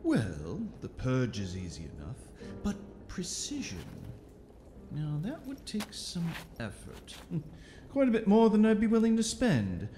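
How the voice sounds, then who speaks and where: A sinister, wildly swooping mage inquisitor. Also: female voice, lowish voice, wildly swooping pitch, measured pace, warm tone, slight background noise. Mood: silky menace. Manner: theatrical, drawling, condescending. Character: sinister mocking mage inquisitor, cruelly amused, smooth-talking. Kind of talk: audio drama acting. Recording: long echoing reverb, music underneath.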